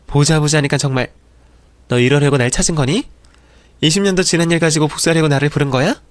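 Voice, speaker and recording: A man reads as a middle-aged mother with a sharp, scornful tongue, snapping back in a dramatized story. The voice sits a little high for a man. The recording is dry and close, with no room around it. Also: quick pace, no echo, lightly acted. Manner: snapping, scolding.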